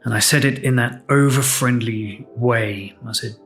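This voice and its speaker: An English man recounts a personal story in a candid, reflective monologue, with a voice of ordinary middle pitch. He takes his time, and a little music sits faintly underneath. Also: measured pace, a bit bright. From England. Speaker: podcast host.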